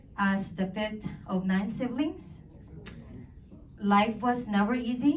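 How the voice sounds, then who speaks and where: With a non-native accent, a woman talks at a very slow pace and a fairly high pitch, her somewhat breathy voice showing ordinary pitch variation, broken by long, frequent pauses, with audible room echo. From Philippines. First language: Filipino language. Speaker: dining services administrative assistant. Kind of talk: personal testimony.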